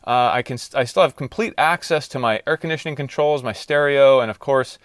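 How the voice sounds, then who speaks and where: A man's voice: medium pitch, fairly quick, no room sound, clean studio sound. A man hosting a casual how-to vlog, talking in an informal, plain-spoken way. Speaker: video host installing car gear. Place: in and around a car in a garage.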